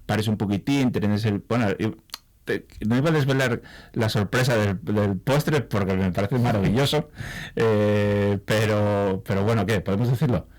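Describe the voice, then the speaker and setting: A man's voice: lowish voice, moderate pace. A man who hosts a radio interview, joking and praising in an easygoing way. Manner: warm, jokey, enthusiastic praise. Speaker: radio host. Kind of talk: casual interview talk.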